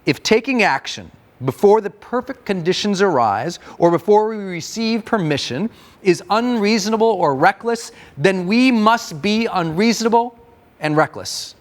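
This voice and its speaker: A man's voice: sits high, no room sound. A man reading a motivational manifesto in a declamatory way. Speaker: reader.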